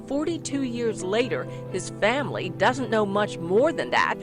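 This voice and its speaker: A woman reporter delivers a local TV news story in a steady, measured way. Music plays clearly underneath. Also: medium pitch. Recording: news clip with music behind.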